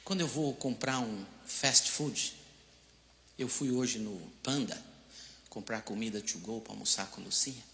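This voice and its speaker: A Brazilian pastor preaching a storytelling sermon, swinging from hushed asides to loud outbursts, in a church hall. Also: male voice, fairly low pitch, a little slow, gravelly. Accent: Brazilian Portuguese.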